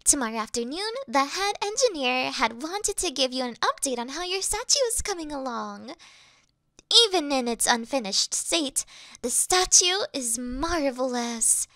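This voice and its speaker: A woman's voice: sits high, animated, unhurried, pushed and bright, no room sound, full character voice. A woman voicing a devoted female demon servant who worships her mistress, fawning and flustered in a scripted audio roleplay. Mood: adoring.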